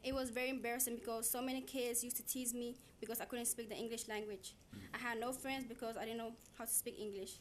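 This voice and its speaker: A woman's voice: a little high, level tone, fast talker, hardly any pauses, slight background noise. A teenage girl from Somalia, giving an earnest prepared speech as a student speaker, sometimes repeating herself when stuck. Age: teens. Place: city hall chamber.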